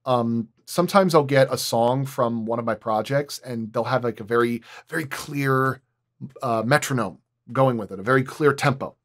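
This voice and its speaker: A man's voice: mid-range voice, moderate pace. A man who works as a sound designer, talking casually and in technical detail at a roundtable.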